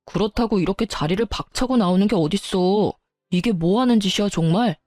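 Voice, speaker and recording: A woman's voice: mid-range voice, fairly quick, darkish tone, dry recording, clean studio sound, soft background music, lightly acted. A woman voicing a defensive husband who scolds his wife. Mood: reproachful.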